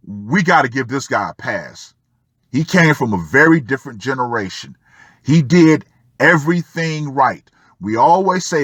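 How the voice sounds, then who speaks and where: A man giving opinion commentary as an online host, emphatic and fond of dramatic pauses. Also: medium pitch, a bit bright, no room sound, clean studio sound. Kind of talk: opinion commentary on a Reddit post.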